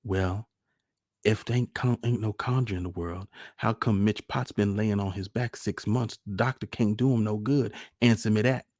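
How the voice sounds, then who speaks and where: Man putting on a scolding Southern country mother, raised pitch. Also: steady tone, normal speed, darkish tone, dry recording, studio quality, natural voice. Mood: insistent, bitter. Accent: rural Southern US. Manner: scolding, insistent dialect speech. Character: small, wiry, superstitious, fretful country mother.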